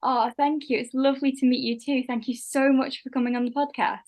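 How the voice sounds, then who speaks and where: A woman hosting her podcast, clear and upbeat, reading an intro and then chatting with a guest. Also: sits high, steady tone, a little fast, a little mellow. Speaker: podcast host. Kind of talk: scripted intro then casual interview.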